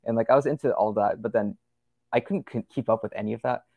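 Fast-talking gravelly young man. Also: medium pitch, dry recording, phone-quality sound. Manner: rambling, many fillers and restarts. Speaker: podcast guest. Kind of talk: casual conversational interview.

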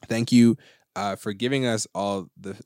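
A man's voice: fairly low pitch, steady tone, unhurried, darkish tone, clear, resonant tone, no echo, studio quality. Playful slangy male podcast co-host. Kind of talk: casual podcast chat.

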